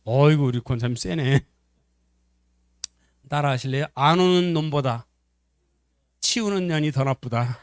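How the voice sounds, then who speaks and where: A male pastor gives a family-life sermon in a church, spinning animated stories and quizzing his congregation as he goes. His voice sits high for a man, and the sound is close and dry. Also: a little slow, pauses often, clean tone, dry recording. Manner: animated storytelling, acts out quotes, questions the congregation.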